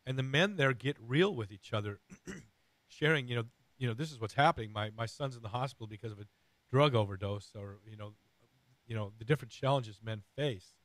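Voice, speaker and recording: Man, middle-aged, radio host, raspy, hoarse, earnest rambling, dry close sound. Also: mid-range voice, brisk, a bit bright, no room sound. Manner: earnest, rambling with many fillers and restarts.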